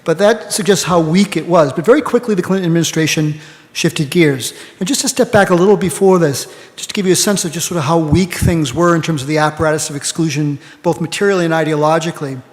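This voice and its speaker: A man's voice: on the high side, quick pace. A man with a Boston accent giving an academic panel talk, lecturing and often checking in with "right?". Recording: long hall reverb.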